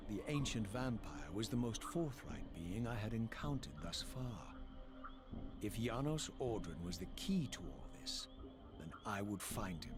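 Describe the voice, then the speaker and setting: An actor playing a brooding, proud undead avenger in a video game, with formal, measured, theatrical delivery. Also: male voice, lowish voice. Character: brooding, proud undead male spirit of vengeance. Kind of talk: video game cutscene acting and narration.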